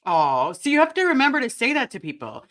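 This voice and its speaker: A woman with a raspy voice hosting a casual livestream chat and talking straight to her viewers. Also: a little high, fast talker. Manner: chatty and animated, addresses the chat directly. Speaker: livestream host.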